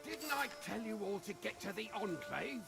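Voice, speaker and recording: An actor with a Greek accent playing a stern, weary male elder in a video game, speaking gravely. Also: high-pitched, very animated, moderate pace, full character voice. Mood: grim warning. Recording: game audio under loud music.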